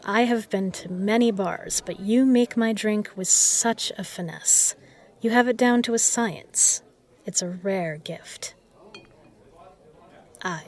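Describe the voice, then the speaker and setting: Female actor as self-assured, exacting bar patron, flirtatious yet protective; formal, measured delivery for scripted audio roleplay. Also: medium pitch, darkish tone, lightly acted. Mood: concerned.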